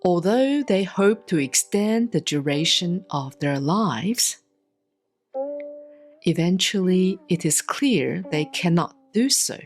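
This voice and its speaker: A woman giving a solemn, scripted reading of scripture in measured, deliberate phrases with frequent pauses. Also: fairly low pitch, animated, faint music behind. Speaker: sutra reader, Buddhist nun.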